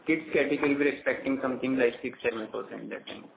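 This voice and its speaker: A man with an Indian accent, a company executive, answering earnings call questions in a hesitant, halting way. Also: mid-range voice, steady tone, gravelly. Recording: narrow phone line with light noise.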